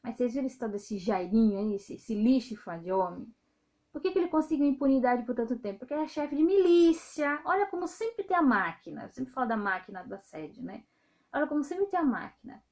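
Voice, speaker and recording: A Brazilian woman in her thirties, speaking with a Brazilian accent, talking straight to her viewers in a loud, outspoken, indignant way. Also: a little high, lively intonation, brisk. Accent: Brazilian Portuguese. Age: 30s. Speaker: video host. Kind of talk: casual monologue to viewers.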